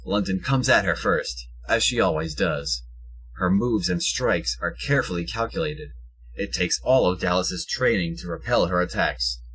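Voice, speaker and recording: A man with a husky voice reading scripted narration for an audio drama. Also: low-pitched, animated, normal speed, fairly bright tone.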